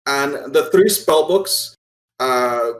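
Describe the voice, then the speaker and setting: A man narrating a tabletop game as game master, explaining things in a halting way. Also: mid-range voice, lively intonation, fairly bright tone, reverberant, poor audio.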